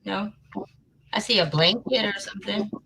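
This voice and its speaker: A woman's voice: medium pitch, normal speed, creaky, crowd noise, rough recording. A woman hosting a casual livestream, asking friendly questions and laughing easily. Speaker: livestream host. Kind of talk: casual chat.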